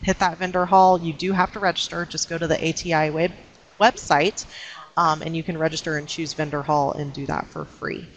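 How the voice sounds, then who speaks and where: A woman with a slightly low voice hosts an online webinar, running through informal announcements. She is on a video call, with faint noise behind her. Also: fairly even intonation, fairly quick, low-quality recording. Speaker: webinar host. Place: indoor room, on a webcam video call.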